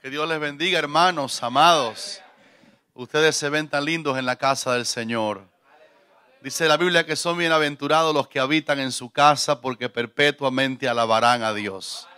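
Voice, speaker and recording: Middle-aged pastor, bright crisp preaching voice, warm jokes with the flock, close dry mic. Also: male voice, fairly high pitch, moderate pace, dry recording. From Cuba. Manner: jovial, preacherly, joking with congregation. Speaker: visiting pastor. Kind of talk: sermon. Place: church. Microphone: handheld mic.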